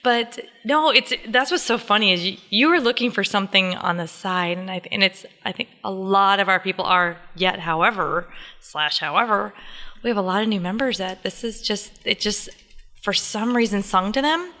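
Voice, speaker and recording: A woman's voice: medium pitch, moderate pace, sharp tone, big-room sound. An American woman co-hosting a podcast in casual chat, agreeable and playful. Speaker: podcast co-host.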